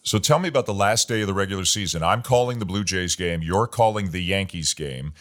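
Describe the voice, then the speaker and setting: Low-voiced man hosting a sports interview. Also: a bit bright. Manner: measured, asks long detailed questions. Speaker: podcast host and baseball play-by-play announcer.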